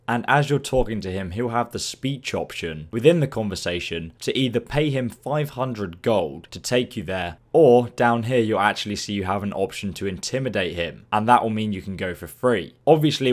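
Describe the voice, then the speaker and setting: A man hosting a game walkthrough, explaining steps in an upbeat, instructive way, his voice croaky from a long stream. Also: lowish voice. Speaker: gaming guide host.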